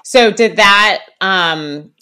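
A woman's voice: medium pitch, drawn-out words, pushed and bright, smooth. Chatty woman hosting a podcast. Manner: chatty, many fillers and restarts. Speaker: podcast host. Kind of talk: casual interview chat.

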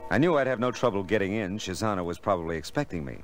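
A man's voice: low voice, expressive, fast. An actor playing a sardonic, tough private detective in a 1950s radio drama, wry and clipped as he talks and narrates. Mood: wry narrating. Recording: old radio recording with music.

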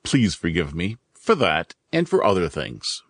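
Narrator dropping to a deep quick meek young guy, apologizing, lots of swing in it. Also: wildly swooping pitch, a bit bright, no echo, clean studio sound, full character voice. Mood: apologetic. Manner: hurried and entreating.

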